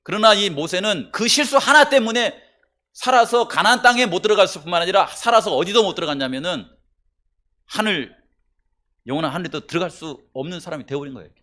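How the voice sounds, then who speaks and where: Lively male pastor preaching. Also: quick pace. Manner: conversational, asks the congregation questions; lively swings between loud emphasis and low asides. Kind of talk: sermon. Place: church.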